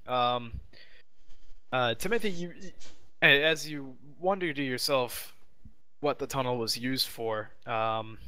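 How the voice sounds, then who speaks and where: A man narrating a tabletop role-playing game as game master, improvising haltingly as he searches for words. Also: mid-range voice, sharp tone, smooth.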